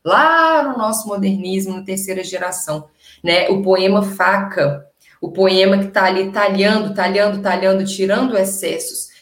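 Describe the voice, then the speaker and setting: A Brazilian woman with a Brazilian Portuguese accent teaching a literature class in a chatty, enthusiastic way, often asking rhetorical questions. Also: medium pitch. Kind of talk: casual online class lecture. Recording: echoey room.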